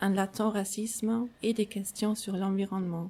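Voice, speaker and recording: A woman speaks at a very slow pace in a dark, mellow, somewhat breathy tone. Her medium pitch stays monotone, with flat intonation. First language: not French (speaking French). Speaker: amateur theatre participant. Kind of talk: personal narration.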